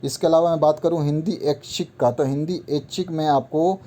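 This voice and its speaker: A man's voice: on the high side, fairly even intonation, normal speed, dark tone. A male teacher going through an exam syllabus item by item, repeating points in an instructive, patient way. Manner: repetitive, instructive, walks through a list item by item. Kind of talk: explaining a syllabus to students.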